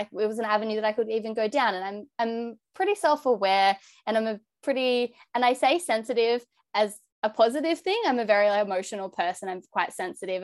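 Young-sounding Australian woman, dry close mic. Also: no room sound. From New South Wales, Australia. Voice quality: high-pitched, young-sounding voice. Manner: earnest and chatty, with frequent "like" and "um". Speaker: podcast guest. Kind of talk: casual interview chat.

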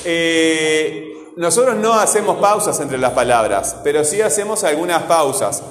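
A man's voice: fairly high pitch, expressive, a little slow. A male teacher giving a class lesson, quizzing his pupils and often checking in with a questioning "right?". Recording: echoey room with long reverb, faint noise.

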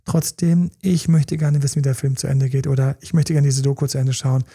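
A man's voice: mid-range voice, level tone, fairly quick, mellow, slightly rough. A man talking casually about relationships as a coach, who acts out partners' pleas in character and sometimes drops to a whisper. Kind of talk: casual podcast talk.

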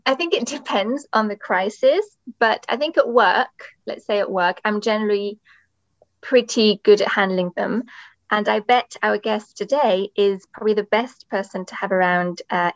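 A woman's voice: medium pitch, moderate pace, dry recording. A woman hosting a podcast in a conversational interviewing style. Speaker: podcast host. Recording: dull, band-limited dry microphone sound.

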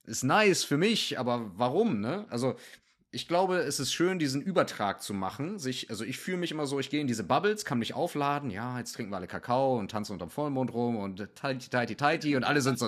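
Laid-back reflective man, mid-pitched voice. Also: animated, brisk, a bit bright. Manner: reflective, loose, sprinkles English slang and "ne?". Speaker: interview guest, meditation teacher. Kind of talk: casual podcast talk.

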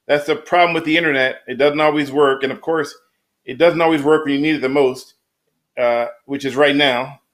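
A man's voice: a little high, steady tone, brisk, fairly bright tone. A man hosting a podcast over a video call, chatty and a little flustered. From United States. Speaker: podcast host. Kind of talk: casual online interview.

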